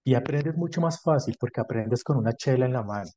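A man with a Colombian accent, a dentist answering conversationally as an interview guest, explaining things in a measured way. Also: medium pitch, lively intonation, dark tone. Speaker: podcast guest, dentist specialised in prosthodontics and implants.

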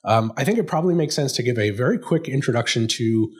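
A man's voice: mid-range voice, expressive, fast, husky. A man hosting a tech podcast, introducing his guest with plenty of fillers. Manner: friendly, many "uh" and "um" fillers. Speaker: podcast host.

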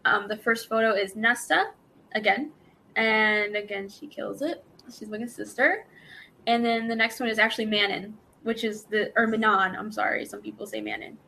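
A woman guest on a podcast, chatting and gushing warmly about her friends' cosplays. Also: mid-range voice, expressive, gravelly, a little hiss or hum. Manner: gushing, chatty, quick laughs. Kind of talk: casual podcast chat.

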